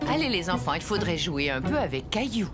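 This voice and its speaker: A woman's voice: on the low side, sing-song, fairly quick. A woman voicing a friendly mother in a children's cartoon. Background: music.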